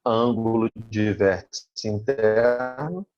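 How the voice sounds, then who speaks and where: A man's voice: lowish voice, steady tone, darkish tone, muffled recording, soft background music. A male math teacher, teaching an online class as his video call audio breaks up and drops out. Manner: slow, patient, checks on students often. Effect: choppy breaking-up video call audio.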